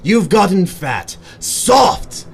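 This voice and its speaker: An actor playing a sadistic, gleeful clown supervillain in an audio drama, with a theatrical, mocking, drawn-out delivery. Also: male voice, high-pitched, very animated, creaky, heavily acted. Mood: menacing taunting. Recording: music under the voice.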